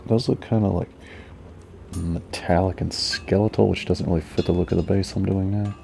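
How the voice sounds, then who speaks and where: A man giving calm gaming commentary, musing slowly and mellowly to himself. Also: sits low, vocal fry, slight background noise. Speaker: gamer.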